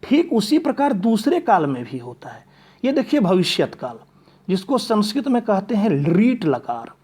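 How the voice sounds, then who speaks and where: A man's voice: high voice, big pitch swings, normal speed, a little mellow, breathy edge. A male teacher patiently explaining grammar step by step, reciting verb forms one after another. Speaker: Sanskrit teacher. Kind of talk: classroom grammar lesson.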